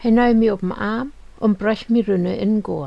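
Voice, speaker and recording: A woman with a Low German accent speaks with a dark, mellow tone. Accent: Low German (Heidjer Platt) dialect. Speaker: storyteller of local memories. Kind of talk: personal memoir reading in dialect.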